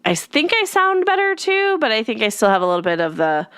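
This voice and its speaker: Smooth-voiced woman podcast host, slightly stuffy. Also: fairly high pitch, big pitch swings, quick pace, a bit bright, no echo. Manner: rambling, filler-heavy, friendly. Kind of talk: casual chatty podcast talk.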